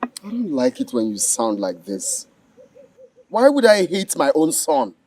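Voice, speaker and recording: A man's voice: on the high side, wildly swooping pitch, unhurried, a little mellow, a little hiss or hum. An actor playing a stern king and father who scolds his family. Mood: defensive.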